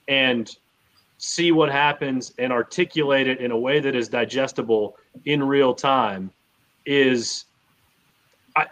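A man's voice: medium pitch, fairly bright tone. A man co-hosting a sports podcast in casual conversation, repeating phrases for emphasis.

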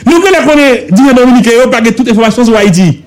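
A man with a Haitian accent holds forth on a radio talk show, his voice pitched strikingly high. He hammers each point with repetition and rhetorical questions, giving fervent political commentary. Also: expressive, fast talker. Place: radio studio.

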